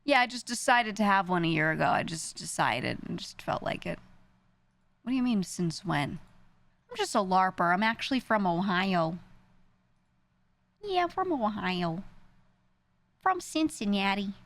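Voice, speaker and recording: A woman's voice: medium pitch, sing-song, unhurried, vocal fry, pauses often, a bit bright. A young woman with a New York accent, chatting casually on a stream, rambling and self-deprecating with frequent laughs. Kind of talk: casual stream chat answering viewers.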